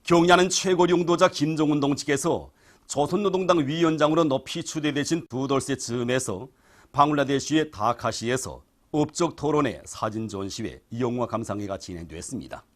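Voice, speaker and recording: A man's voice: medium pitch, normal speed. A man with a North Korean accent reading a scripted state television news bulletin in a formal, solemn manner. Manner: formal, solemn broadcast delivery.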